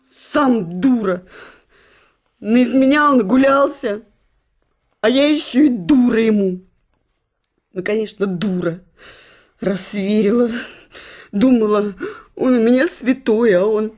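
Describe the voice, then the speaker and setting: Сварливую жену с высоким голосом. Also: female voice, fairly high pitch, takes it slowly, pauses often, a little mellow. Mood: hurt, angry. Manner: nagging, sarcastic, colloquial and blunt. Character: scolding, jealous working-class wife, sarcastic and coarse. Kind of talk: radio comedy play acting.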